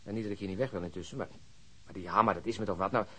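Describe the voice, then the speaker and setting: A man playing an excitable, grumbling police detective in a radio drama, mocking and sardonic, with a husky voice. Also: lowish voice, rapid-fire. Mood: indignant, incredulous. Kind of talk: Dutch radio drama acting.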